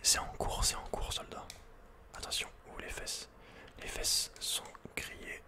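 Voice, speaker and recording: A man whispering playful, casual ASMR commentary over a video game in a breathy, unvoiced voice, close to the microphone. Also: unhurried.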